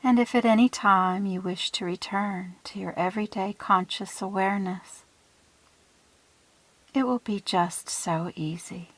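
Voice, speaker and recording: A woman leading a guided visualization in a soothing, hushed manner, with deliberate phrasing and breathy trailing ends. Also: medium pitch, dry recording, rough recording. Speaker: guided meditation leader.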